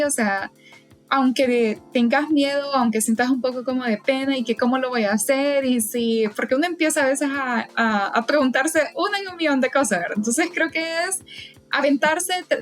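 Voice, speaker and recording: A woman guest in a casual interview, talking in a hesitant way with frequent fillers and restarts. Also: high-pitched. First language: Spanish. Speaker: podcast guest, event volunteer.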